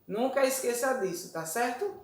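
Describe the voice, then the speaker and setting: A woman's voice: on the high side, animated, moderate pace, a little mellow. A woman teacher giving a recorded lesson, explaining rules patiently and often checking that her students follow. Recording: roomy echo.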